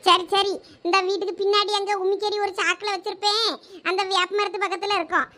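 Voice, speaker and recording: A woman's voice: very high voice, little pitch movement, fairly quick, bright, forceful tone. A woman voicing a bossy village mother in a cartoon who grumbles and scolds in a Thoothukudi Tamil accent. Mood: grumbling.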